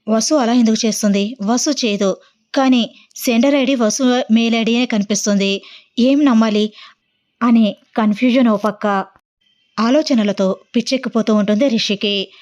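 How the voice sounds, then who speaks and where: A woman narrating an audio story in a steady, plain reading voice. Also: on the high side, dull audio.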